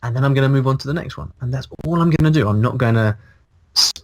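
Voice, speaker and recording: Animated man on a video call. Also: medium pitch, quick pace. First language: English. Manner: animated, thinking aloud with many restarts. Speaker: guest, language blogger. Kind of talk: casual interview. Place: small room indoors. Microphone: video call, earphones, mic in front.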